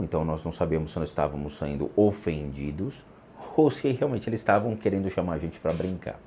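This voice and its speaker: A man in his forties telling a personal story in an unhurried, reflective way, with pauses and restarts. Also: deep voice, a little mellow, a little hiss or hum. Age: 40s. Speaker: vlogger. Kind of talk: storytelling vlog about a haunted childhood house.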